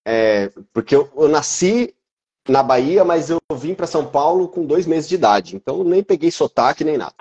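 A man in his thirties from Brazil, a teacher speaking as an interview guest on a video call through an earphone headset, calm and explanatory. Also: fairly high pitch, normal speed, breathy edge, muffled recording. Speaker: biblical Hebrew teacher, guest.

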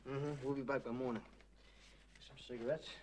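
An actor playing a terse, casual American soldier in a mid-century war film, talking in clipped phrases. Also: male voice, mid-range voice, steady tone, normal speed, darkish tone, lightly acted. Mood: offhand. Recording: noisy old film soundtrack with clatter.

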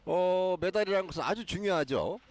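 A man's voice: high-pitched, animated, fairly quick. A man giving live athletics commentary as an analyst, explaining things with emphasis.

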